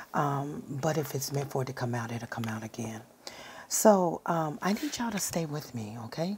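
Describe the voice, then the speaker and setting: A woman speaks at a moderate pace in a very deep, low voice that is somewhat breathy. Her tone is calm, and her intonation is lively. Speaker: tarot reader. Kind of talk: tarot reading. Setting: recording at night. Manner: hesitant, many fillers.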